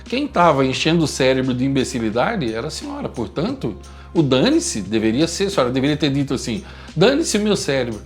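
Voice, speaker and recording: A man's voice: mid-range voice, very animated, fast, faint music behind. A Brazilian man giving a motivational talk in a blunt, emphatic, lecturing manner. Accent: Brazilian Portuguese. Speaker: communication speaker.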